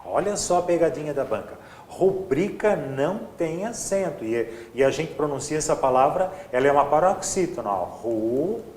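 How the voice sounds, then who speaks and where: A man's voice: on the high side, animated, normal speed, few pauses, darkish tone, echoey room, slight background noise. A man teaching an exam-prep grammar lesson, explaining step by step and checking in with his students often.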